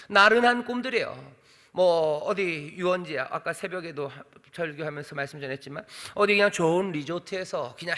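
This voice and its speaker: A man preaching a sermon in a church sanctuary, his bright, ringing voice sitting high for a man. He keeps asking questions and answering them himself, and slips into other voices for short quoted lines. Long reverb from the hall trails after each phrase. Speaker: senior pastor.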